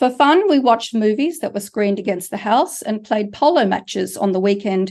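Against a quiet background, a woman with an Australian accent speaks at a moderate pace with lively intonation and a fairly high pitch. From Queensland, Australia. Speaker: trading educator. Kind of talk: webinar presentation.

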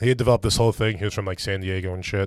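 The speech runs at a very fast pace with fairly even intonation, recorded dry and close with no echo, very clean and against a silent background. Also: man. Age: 30s. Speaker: podcast co-host. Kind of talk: casual chat.

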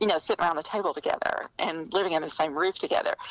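A woman speaks with an Alabama accent. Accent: Southern US (Alabama). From rural Alabama. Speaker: novelist and magazine editor. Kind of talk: interview.

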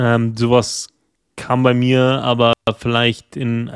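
A male speaker on a very clean recording, background silent. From Rhineland-Palatinate, Germany. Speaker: podcast co-host, manager. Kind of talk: casual chat. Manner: hesitant, many fillers and repetitions.

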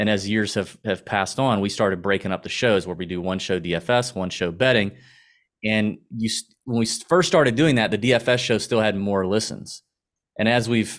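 A man with a Southern US accent, ordinary pitch variation, and a very clean recording with a silent background. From Augusta, Georgia. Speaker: podcaster. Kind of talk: casual chat.

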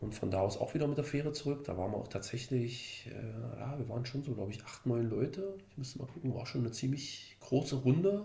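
A man's very fast, somewhat breathy speech, dark and mellow in tone, with lively intonation and audible room echo. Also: medium pitch for a man, hardly any pauses. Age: 30s. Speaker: cycling tourist. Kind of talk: casual interview.

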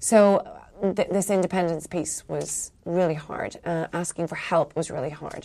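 With vocal fry and a dark, mellow tone, a woman speaks at a fairly low pitch, with fairly even intonation, at a moderate pace. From Ireland. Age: 40s. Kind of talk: interview.

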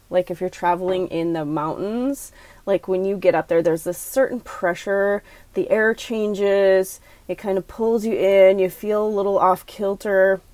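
A woman with a plain, everyday voice, medium in pitch with ordinary pitch variation, at a fairly slow pace. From North Dakota, US. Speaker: dowser and medium. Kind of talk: ghost story telling. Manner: warm, earnest.

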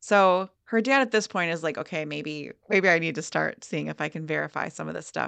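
Against a quiet background, a woman with a fairly low voice and vocal fry talks at a fairly quick pace with lively intonation and hardly any pauses. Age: 30s. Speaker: podcast co-host. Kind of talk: casual chat.

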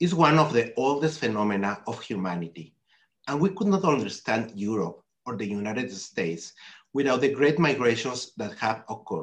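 A man's pitch swings very widely as he talks at a moderate pace. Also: medium pitch for a man. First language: Spanish. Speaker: consul general moderator. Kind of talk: moderated panel discussion. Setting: video call webinar.

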